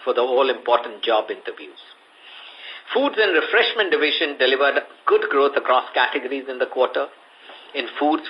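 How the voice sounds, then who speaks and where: A man with an Indian accent, reading a prepared earnings presentation as a company executive on a conference call. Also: medium pitch. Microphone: conference call line. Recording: muffled conference call audio.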